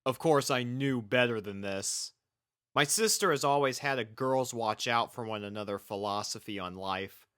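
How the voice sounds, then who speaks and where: A man's voice: mid-range voice, normal speed, fairly bright tone, clear, resonant tone, dry recording, studio quality. A man reading a scripted first-person story as its narrator. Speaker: fan fiction reader and narrator.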